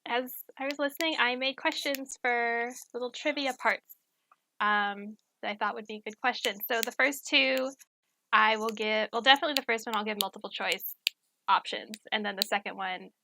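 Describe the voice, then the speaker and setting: A woman's voice: on the high side, steady tone, normal speed, bright, forceful tone, slight background noise. A woman running a casual quiz over a video call, explaining hesitantly and correcting herself as she goes. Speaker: story editor acting as trivia quizmaster. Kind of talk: casual, unscripted quiz hosting. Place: indoors on an online video call.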